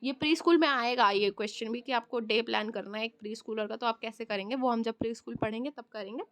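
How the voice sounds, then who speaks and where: A young woman lecturing trainee teachers in a relaxed, conversational way, speaking straight to her students. Her voice sits high, and the recording is dry and close with almost no room sound. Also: quick pace, dry recording. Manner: conversational, addresses students directly. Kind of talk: exam-prep lecture, mixing Hindi and English.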